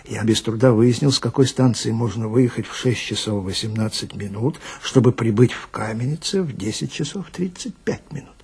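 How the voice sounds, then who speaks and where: In a radio reading, a man plays a chatty, grumbling police detective, telling his story wryly and confidingly with dramatic pauses and a self-satisfied air. His gravelly, husky voice is mid-range, a little mellow, and exaggerated.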